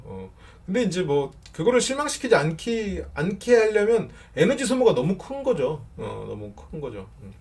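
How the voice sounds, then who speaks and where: A middle-aged man giving casual counseling advice with a fairly loud voice, talking in an animated way and laughing often. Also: a little high. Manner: animated, laughs often, acts out short example lines. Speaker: counselor answering viewer questions.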